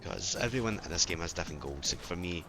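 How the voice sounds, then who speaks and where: A man's voice: low-pitched, lively intonation, fast, noisy background. A man hosting a gaming channel, chatting casually over gameplay with a sore, failing throat, rambling and apologetic, often correcting himself. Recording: game music playing behind.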